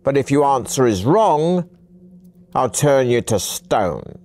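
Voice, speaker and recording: An actor voicing a giggling white-haired old man who sets riddles, in a high-pitched gleeful voice. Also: big pitch swings, takes it slowly, darkish tone. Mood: gleeful, teasing.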